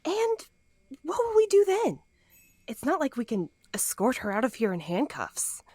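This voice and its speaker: A woman's voice: sits high, moderate pace, breathy edge, dry recording, heavily acted. A woman acting in an audio drama as an anxious, wry young female sleuth, talkative and a little hesitant. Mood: flustered. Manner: hesitant, expressive.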